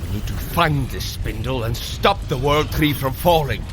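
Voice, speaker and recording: A man's voice: mid-range voice, animated, moderate pace, over music, lightly acted. Man playing a hearty warrior god, swooping delivery. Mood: rallying. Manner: rallying, grandly formal, addresses listener as mortal. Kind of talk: scripted audio drama acting for a running workout.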